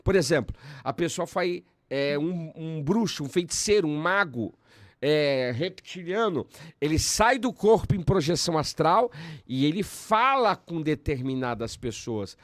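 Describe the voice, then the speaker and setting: A Brazilian man, a pastor, teaching in conversation, switching between emphatic bursts and calm explanation. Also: fairly high pitch, unhurried, no room sound. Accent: Brazilian Portuguese.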